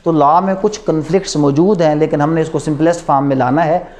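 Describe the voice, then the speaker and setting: A man's voice: a little high, steady tone, quick pace, a little mellow. A man with a Pakistani accent giving a law lecture in a didactic way, posing rhetorical questions and answering them himself.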